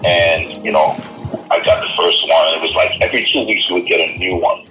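A man from Trinidad and Tobago, a podcast guest, telling stories in a relaxed, casual way with many restarts. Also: sits low, brisk, soft background music, poor audio. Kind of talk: casual interview storytelling.

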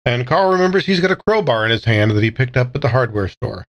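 A man's voice: mid-range voice, lively intonation, fast, lo-fi sound. A man taking part in a tabletop roleplaying game, casually narrating what his character does. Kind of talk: casual improvised game talk.

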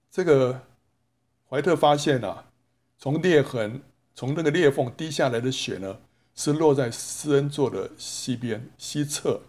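A Bible teacher preaches a storytelling sermon in a slightly mellow voice of ordinary, middle pitch. He often pauses to pose a rhetorical question and then answers it, drawing out the small particles at the ends of his lines.

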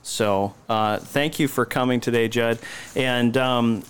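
Halting American male podcast host. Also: mid-range voice, steady tone, clear, resonant tone. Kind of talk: casual interview chat.

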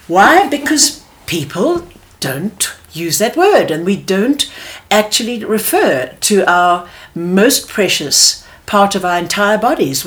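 A woman's voice: lowish voice, fairly bright tone. A middle-aged woman with a South African accent, answering an interview question in an earnest, passionate way with frequent restarts. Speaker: theatre producer.

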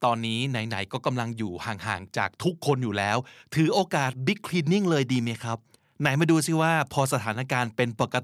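A male podcast host giving a scripted vocabulary lesson, explaining each term clearly and spelling words out letter by letter. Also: medium pitch, a bit bright, dry recording, studio quality.

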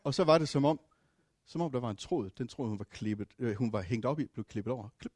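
A preacher tells his stories in a husky, breathy voice. He swings from loud bursts to near whispers, with fillers and restarts. The room sounds dry and close. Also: mid-range voice, no room sound. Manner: dramatic swings from loud to hushed. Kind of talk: sermon with travel stories.

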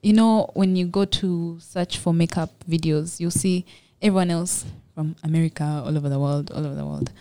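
Young ugandan woman w/ accent, low mellow voice, dry close sound, modest chatty guest. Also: fairly even intonation, normal speed, few pauses, clean tone, dry recording. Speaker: guest, makeup entrepreneur. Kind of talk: casual podcast interview.

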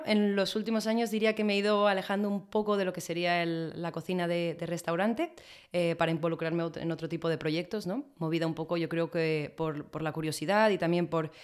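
A woman in her late twenties speaks as a guest in an interview. She has an accent from Spain and a slightly low voice. She talks conversationally and very quickly. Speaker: podcast guest, chef.

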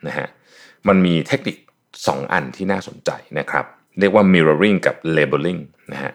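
A man's voice: deep voice, measured pace. A man hosting a solo podcast, explaining a technique step by step in a chatty way, with many polite particles. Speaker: podcast host.

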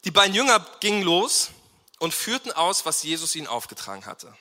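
Male pastor, lively sermon, very bright high voice, long hall reverb. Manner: lively, asks the audience to repeat words; acts out Jesus and bystanders in quick quoted asides.

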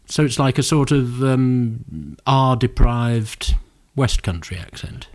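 A man chatting casually as a podcast co-host, playful and quick to laugh. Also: mid-range voice, animated. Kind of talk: casual chat.

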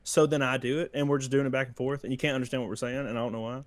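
A man's voice: mid-range voice, level tone, very fast, no room sound. A young man with a Southern US accent, chatting casually on a podcast, laid-back and self-mocking. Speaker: YouTuber podcast guest.

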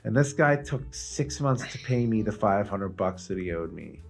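A man's voice: lowish voice, expressive, normal speed, creaky, faint music behind. A man co-hosting a podcast, chatting casually and telling anecdotes with some swearing. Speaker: podcast co-host.

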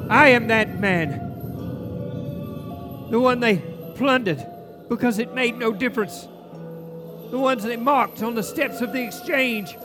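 An actor playing a frightened, repentant old miser in a live radio play, declaiming and pleading with theatrical weight. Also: male voice, extremely high pitch, a little slow, pauses often, over music. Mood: desperate, repentant. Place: theatre stage, live before an audience. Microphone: shared stage microphone.

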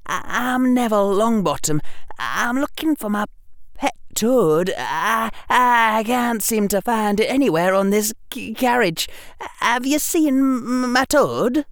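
A man's voice: extremely high pitch, lively intonation, slow pace, fairly bright tone, no room sound, studio quality, voice pushed up, full character voice. A man voicing a timid, trembling young boy who stammers in a tiny voice. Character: timid trembling small boy, about eleven.

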